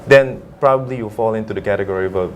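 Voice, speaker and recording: A man with a Filipino accent, a voice actor guest on TV, explaining things in a measured way. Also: fairly low pitch, a little hiss or hum. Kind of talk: TV interview.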